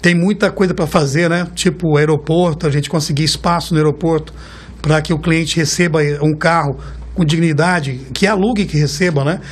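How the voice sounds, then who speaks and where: This is a Brazilian man in his fifties with a voice that sits a bit higher than most men's. He tells stories in a loose, conversational flow and keeps checking in with his listener. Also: steady tone, moderate pace, breathy edge. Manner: chatty, warm storytelling, keeps tagging phrases with a questioning "right?". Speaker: guest, car rental executive. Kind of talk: casual interview talk.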